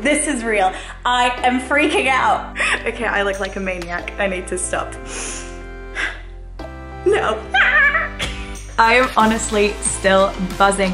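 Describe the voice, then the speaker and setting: A bubbly woman in her twenties, from the Czech Republic, whose accent blends British and North American. She talks in a slightly high, excitable way and laughs often. Music plays clearly behind her narration. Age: 20s. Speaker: travel vlogger. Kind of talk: casual vlog narration. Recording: music playing behind voice-over.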